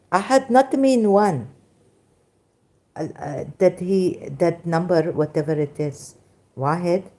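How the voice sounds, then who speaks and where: A woman with a Pakistani accent and Sindhi as her first language, giving an informal religious talk in halting, broken English with many restarts, tired and soft-spoken as she goes on. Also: lowish voice. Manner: tired, winded and soft-spoken in later part. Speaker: religious commentator.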